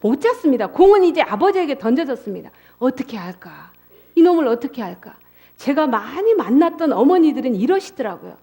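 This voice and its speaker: A woman's voice: high-pitched, a little fast. A middle-aged woman giving a church family seminar, asking the audience questions and acting out the voices of parents and children. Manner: lively, asks the audience questions and acts out quoted voices. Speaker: seminar speaker. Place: church hall.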